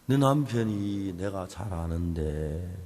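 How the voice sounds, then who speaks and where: A male pastor preaching at a Bible seminar, telling stories and acting out conversations, swinging from loud outbursts to soft whispers. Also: sits low, expressive, slow pace, a little hiss or hum.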